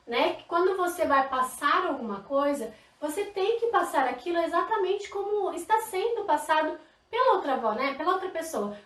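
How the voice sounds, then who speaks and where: A woman from Brazil teaching a live online sign language class, lively and demonstrative. Her voice is high. It is picked up a little off-mic in an echoey room. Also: recorded from a distance. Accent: Brazilian Portuguese. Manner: lively, demonstrative, talks to viewers directly. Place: indoor room, live stream.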